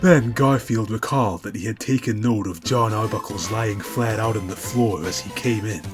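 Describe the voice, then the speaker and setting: A man's voice: lowish voice, moderate pace, music in the background. A man narrating a scripted comic story in a grandiloquent, dramatic manner.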